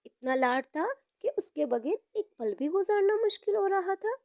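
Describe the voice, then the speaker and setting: A woman's voice: extremely high pitch, animated, moderate pace, a little mellow, no room sound, studio quality. A woman narrating a moral story in an informal storytelling style.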